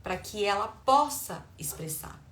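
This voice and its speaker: A woman's voice: mid-range voice, lively intonation, measured pace. A middle-aged woman with a Brazilian Portuguese accent, a parenting educator giving advice to parents in an explanatory tone. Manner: warm explanatory tone, acts out dialogue with her children. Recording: echoey room with faint ambient noise.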